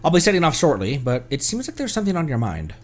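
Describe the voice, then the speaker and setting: A man streaming a game with casual, reactive and somewhat halting live commentary. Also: fairly high pitch, big pitch swings, soft background music.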